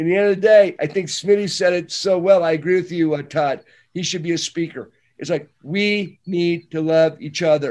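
A man speaks at a high pitch and a moderate pace with fairly even intonation. The recording is very clean, with a silent background. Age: 70s. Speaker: relay founder, entrepreneur. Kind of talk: casual interview.

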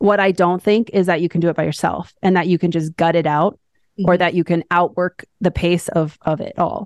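Close and dry with no echo, the recording has a woman speaking at a fairly low pitch with an American accent. Her delivery is fairly quick, with monotone, flat intonation. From Colorado. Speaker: growth and performance coach. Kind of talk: casual chat.

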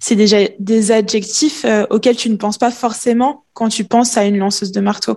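The voice has a dark, mellow tone, is somewhat breathy and keeps a fairly even intonation. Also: woman. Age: 20s. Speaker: physiotherapist and health sport coach. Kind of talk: casual interview chat.

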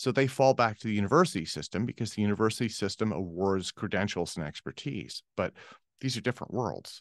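Fairly low in pitch, a man talks at a fairly quick pace in a plain, everyday voice with ordinary pitch variation. The sound is dry and close with no echo, and the background is quiet. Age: 40s. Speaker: alternative propulsion researcher and conference host. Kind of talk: casual interview.

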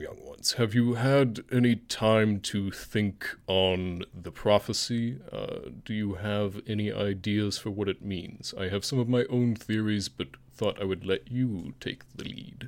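Using a put-on character voice, a man talks at a fairly slow pace in a fairly low pitch. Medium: actual play. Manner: measured, formal.

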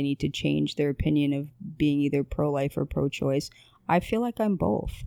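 In a very clean recording with a silent background, a woman with an American accent speaks at a fairly quick pace in a very deep, low pitch with a dark, mellow tone. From New York City. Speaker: guest sharing abortion experience. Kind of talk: testimony. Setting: recorded in person at a convention.

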